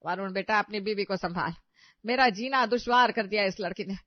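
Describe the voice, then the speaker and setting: A woman's voice: medium pitch, brisk, no room sound, voice pushed down, natural voice. A woman voicing an aging, long-suffering mother-in-law in a cartoon story, who pleads and scolds in exasperation. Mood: exasperated. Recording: dry, slightly dull audio.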